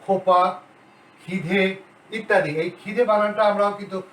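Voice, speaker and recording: A male grammar lecturer teaching a class at the board, talking slowly and deliberately and repeating the key sounds. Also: high voice, steady tone, fairly bright tone, recorded from a distance. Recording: roomy, off-mic, faint hiss.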